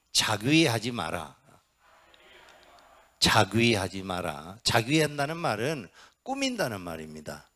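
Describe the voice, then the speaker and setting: In a Buddhist hall, a middle-aged monk with a medium-pitched voice gives an interactive dharma talk. He quizzes and coaxes his listeners and acts out the shouts he describes.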